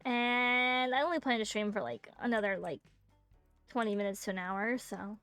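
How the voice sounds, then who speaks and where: High-voiced joking woman streamer. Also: normal speed, a bit bright, smooth, dry recording, soft background music. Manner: joking, rambling, many fillers. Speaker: VTuber streamer. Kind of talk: casual game-stream chat.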